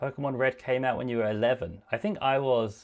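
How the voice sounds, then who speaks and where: He talks at a fairly quick pace. The man has an English accent. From England. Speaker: retro handheld gaming streamer. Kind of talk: live stream chat. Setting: live stream. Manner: casual, chatty.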